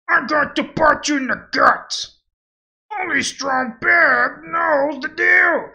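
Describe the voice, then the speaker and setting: A man's voice: very high voice, vocal fry, pushed and bright, muffled recording, exaggerated voice. A man voicing a cocky, boastful masked male wrestler in a brash put-on voice for a fan voice demo. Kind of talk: fan voice demo of game quotes.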